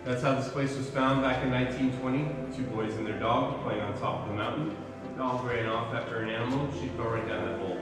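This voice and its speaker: A man working as a cave tour guide, narrating to a group as he points things out. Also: on the low side. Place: inside a cavern. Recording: very echoey cave, distant mic, music behind.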